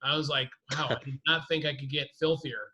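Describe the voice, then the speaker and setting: A man in his forties chats over a webcam call in a loose, joking way, cursing casually. His voice sits a little high with a bright, forward tone. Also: little pitch movement, brisk, lo-fi sound. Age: 40s. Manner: loose, joking, swears freely. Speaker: guest. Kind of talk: casual chat on a video call. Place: dim room indoors. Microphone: video call webcam.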